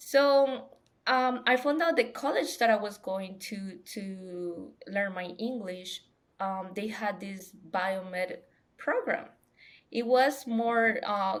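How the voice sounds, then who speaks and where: In a Colombian accent, a woman with a fairly high pitch speaks at a very slow pace with ordinary pitch variation. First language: Spanish. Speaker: biomedical technician and YouTuber. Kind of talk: interview conversation.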